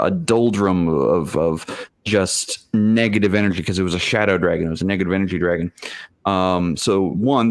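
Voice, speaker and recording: Low-voiced man in a casual panel chat. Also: dry recording, clean studio sound. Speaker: game master on a tabletop role-playing panel. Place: remote online video call.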